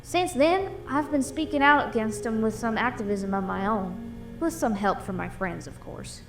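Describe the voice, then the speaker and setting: A woman's voice: a little high, normal speed, over music, close to an everyday voice. A woman playing a tough but bashful female boxer, a cartoon animal in an audio drama, talking colloquially. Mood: regretful, resolute.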